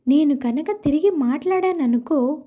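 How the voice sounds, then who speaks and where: A woman's voice: sits high, normal speed, warm tone, muffled recording, natural voice. A woman voicing a wronged young daughter-in-law who protests outspokenly in a family moral story. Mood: indignant.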